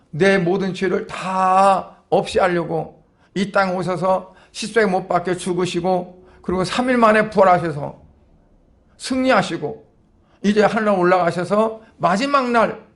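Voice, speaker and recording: High, gravelly-voiced preacher. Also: male voice, a bit bright. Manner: colloquial storytelling, rhetorical questions. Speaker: pastor. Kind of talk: sermon.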